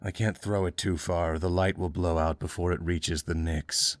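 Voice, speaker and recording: Very deep, terse male guide, acted by a man. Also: fairly even intonation, normal speed, natural voice. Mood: stern, controlled. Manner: terse, commanding. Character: stern, terse male guide through a deadly lake. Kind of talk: video game voice acting.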